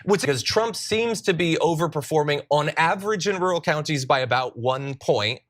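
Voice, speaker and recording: A man's voice: a little high, expressive, moderate pace, a bit bright. A man analyzing election returns on a live broadcast. He talks carefully, hedges, and cites lots of numbers. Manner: careful, hedging, full of numbers. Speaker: data analyst on the panel. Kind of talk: live election night commentary.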